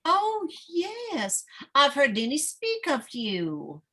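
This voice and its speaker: A woman's voice: high-pitched, wildly swooping pitch, slow, bright, forceful tone, exaggerated voice. A woman playing an anxious, pleading small-town mother in a dramatic table read. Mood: anxious politeness. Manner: pleading, worried.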